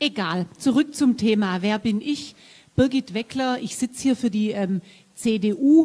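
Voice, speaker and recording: A dark, mellow, somewhat breathy voice moves very slowly with lively intonation. The background is quiet. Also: woman, fairly high pitch for a woman. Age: 40s. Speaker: city politician. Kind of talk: panel debate. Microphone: handheld.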